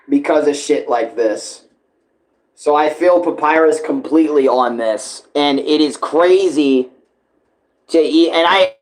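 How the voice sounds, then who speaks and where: A man's voice: fairly high pitch, poor audio. A man giving casual live reaction commentary, earnest and emphatic, repeating himself and swearing freely. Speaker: reaction video host.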